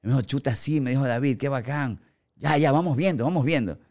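A man in his forties with an Ecuadorian accent, a guest actor telling animated stories in a podcast studio on a boom mic. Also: a little fast. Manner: animated storyteller acting out quoted remarks. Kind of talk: casual podcast storytelling. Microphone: studio mic on boom arm, headphones.

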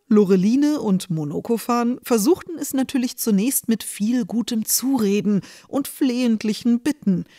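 Female narrator, scripted storybook style, fairly high pitch, dry recording. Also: a little mellow, no room sound.

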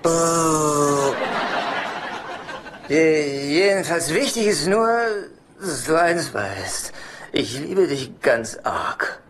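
An actor playing a needy, whiny dad who talks in a hesitant, indignant stammer, in a German-dubbed TV sitcom. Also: male voice, a little high, lively intonation, very slow. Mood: drunk, maudlin. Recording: noisy TV soundtrack with studio laughter.

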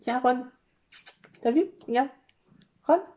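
A high-voiced woman chats away over a craft project, cooing and baby-talking to her cats and playfully grumbling at herself. The recording sounds echoey, like a bare room at home. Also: slow pace, warm tone. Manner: playful, bickers with herself in a mock-annoyed voice. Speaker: crafting vlogger. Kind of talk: casual chat while making a collage.

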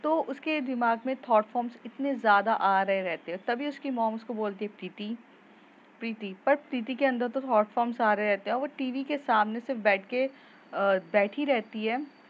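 A woman's voice: fairly high pitch, moderate pace, highs cut off. A woman narrating a love story in a chatty, casual way, with fillers and restarts.

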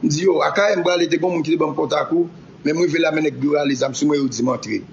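A man's voice: fairly high pitch, very fast, gravelly. A man recounts a personal story in a rambling way, mixing Creole and French and acting out the dialogue. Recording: dull lo-fi clip with faint hiss.

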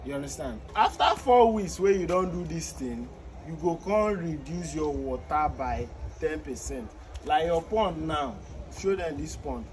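A man's voice: fairly high pitch, lively intonation, measured pace. Male fish farmer, thirties, Nigerian Pidgin accent, patient instructive delivery that repeats steps, outdoor phone-video sound with a noisy open-air background. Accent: Nigerian Pidgin English. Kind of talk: outdoor farming tutorial. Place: outdoors beside fish tanks on a farm. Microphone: phone camera at a short distance. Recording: outdoor phone video with noticeable ambient noise.

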